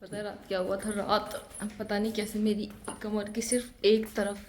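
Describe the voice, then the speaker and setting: A young woman from India chatting casually to her viewers as a vlogger, talkative and quick to laugh, filming on a phone around her family home. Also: medium pitch, little pitch movement, a little hiss or hum. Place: family home, indoors and outdoors.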